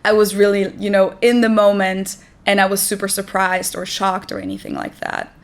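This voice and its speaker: A woman's voice: mid-range voice, moderate pace, creaky. A woman in her twenties from Germany with a German accent, a native German speaker, chatting casually as an interview guest with plenty of "like" fillers. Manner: relaxed, chatty, lots of "like" fillers and light laughs. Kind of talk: casual chat.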